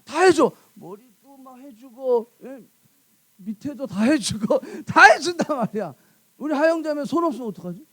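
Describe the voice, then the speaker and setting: A woman's voice: sits high, expressive, moderate pace, a bit bright, slightly rough. A woman pastor preaching a sermon in a church, emphatic and full of rhetorical questions to the congregation.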